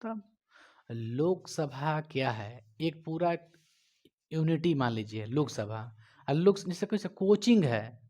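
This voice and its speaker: Bihari accent guy teaching a coaching class, keeps quizzing the kids, goes loud then low. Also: animated, slow pace. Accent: Bihari Hindi. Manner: scolds and quizzes students, swings from loud to quiet. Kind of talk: classroom lecture.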